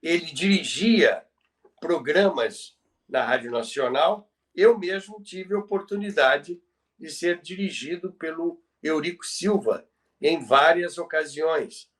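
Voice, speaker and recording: An older man with a Brazilian accent, telling radio history as a podcast host in a measured, explanatory way. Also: on the high side, a bit bright. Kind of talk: reminiscing talk on radio history. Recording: somewhat distant from the mic.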